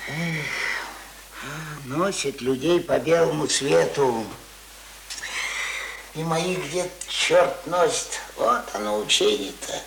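A man's voice: a little high, takes it slowly, gravelly, pauses often, slight background noise, low-quality recording. An actor playing a querulous, hungover old village grandfather who grumbles in folksy speech in a radio play. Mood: scolding. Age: older. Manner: folksy, querulous, muttering and exclaiming.

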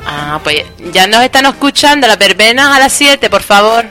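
A woman's voice: a little high, sing-song, normal speed, pushed and bright, soft background music. A woman hosting a local radio show, coaxing children to speak and prompting them with questions. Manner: coaxing, keeps prompting with "a ver". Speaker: radio host interviewing children.

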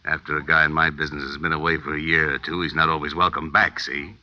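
A man's voice: a bass voice, flat delivery, fast. An actor playing a menacing middle-aged gangster in an old radio crime drama, talking in slangy, taunting tough-guy style. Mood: cold, explaining. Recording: muffled, dull old radio recording.

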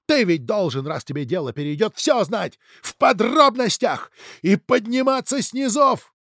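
A man's voice: high voice, expressive, moderate pace, no echo, clean studio sound, voice pushed up, heavily acted. A man voicing a hot-tempered middle-aged innkeeper and father, blustering, in an audiobook. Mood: stunned scolding. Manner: blustering, swings from rage to hush.

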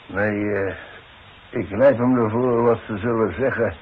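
An actor playing a proud but frightened retired demolition man, an older father who talks haltingly and evasively in a 1960s radio play. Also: lowish voice, steady tone, husky. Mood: wounded pride. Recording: muffled, hissy 1960s radio play recording.

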